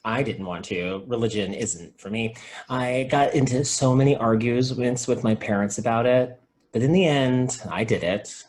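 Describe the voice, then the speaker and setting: A man's voice: medium pitch, moderate pace, darkish tone, lightly acted. A man playing a sensible, reassuring young store worker in a comedy table read, earnest and down-to-earth.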